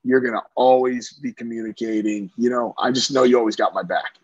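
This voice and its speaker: Man from central new york, lacrosse coach, husky voice, dry sound. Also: medium pitch, fairly even intonation, fairly quick, no echo, highs cut off. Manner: talkative, many fillers and restarts. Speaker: lacrosse coach, interview guest. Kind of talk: casual interview chat.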